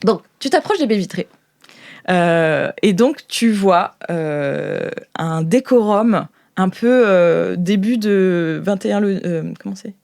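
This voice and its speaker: A woman's voice: medium pitch, animated, slow pace, gravelly, a little mellow, dry recording. A woman improvising tabletop game narration as game master, informal and searching for words.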